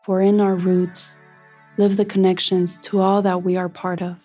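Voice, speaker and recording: Woman acting as wise elder sister corn spirit, soft-edged husky voice, mellow, poetic audio drama, lyrical. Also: fairly low pitch, level tone, moderate pace, soft background music, lightly acted. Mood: solemn, tender. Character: Maíz, corn as wise eldest sister and storyteller. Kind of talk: poetic audio fiction narration.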